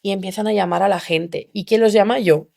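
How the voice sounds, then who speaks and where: A young woman from Spain, a podcast guest, telling her story in an animated way and acting out the people she quotes. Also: medium pitch, brisk, gravelly. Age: young adult. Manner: animated, acts out quoted voices. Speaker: interview guest.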